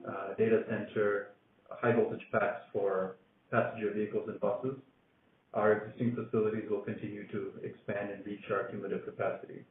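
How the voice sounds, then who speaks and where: A man's voice: on the low side, level tone, brisk, faint music behind. A man giving a business update as a company executive on a conference call. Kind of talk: business presentation on an earnings call. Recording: echoey, noisy, phone-like conference line.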